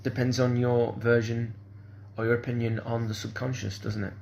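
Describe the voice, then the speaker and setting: A man's voice: mid-range voice, little pitch movement, normal speed, vocal fry, darkish tone, lo-fi sound, a little hiss or hum. A man, speaking in a rambling, hesitant monologue full of fillers and restarts. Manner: hesitant, repeats "kind of sort of", restarts often.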